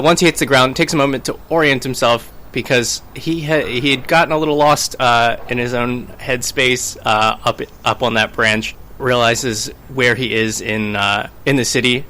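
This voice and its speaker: A man narrating his character's actions as a tabletop game player, in a deliberate, halting way. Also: medium pitch, bright, forceful tone. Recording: music under the voice.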